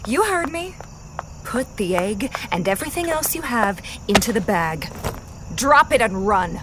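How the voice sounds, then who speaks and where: Tough fake policewoman for audio drama: curt, bossy, high-ish swooping voice, noisy outdoor night scene. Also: sing-song, unhurried. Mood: stern, commanding. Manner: curt, bossy, foul-mouthed. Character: tough commanding woman posing as a police officer. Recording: outdoor scene with clear night ambience noise.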